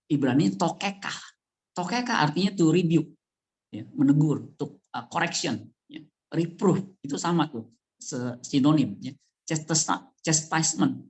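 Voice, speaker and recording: Animated pastor. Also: male voice. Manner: animated, with wide swings of pitch and loudness; conversational, addressing the congregation directly. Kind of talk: sermon. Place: church.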